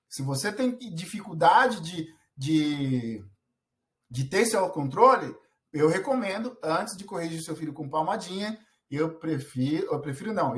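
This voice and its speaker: A man from Brazil gives parenting advice straight to camera in a casual, earnest way. He often restarts his sentences and fills pauses as he goes. His voice sits fairly high for a man. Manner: earnest, many restarts and filler words. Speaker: parenting vlogger.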